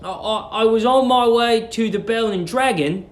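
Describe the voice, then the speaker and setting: A man voicing a polite, hesitant young English gentleman who speaks courteously with some stammering. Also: very high-pitched, moderate pace, echoey room, pitched above the performer's own voice. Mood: nervously polite.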